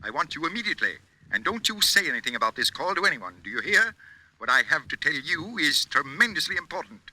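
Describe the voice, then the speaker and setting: A curt studio boss on the phone. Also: male voice, fairly high pitch, big pitch swings, fast, sharp tone, heavily acted, poor audio. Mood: imperious. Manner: curt, imperious. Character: impatient male studio president, commanding. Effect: over the telephone.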